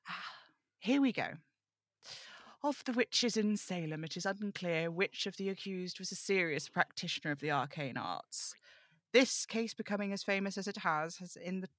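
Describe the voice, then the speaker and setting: A woman's voice: on the low side, a bit bright, no room sound, lightly acted. A woman playing a rambling, fretful young amateur occult investigator in an audio drama table read, chatty and self-interrupting, confiding in her listeners.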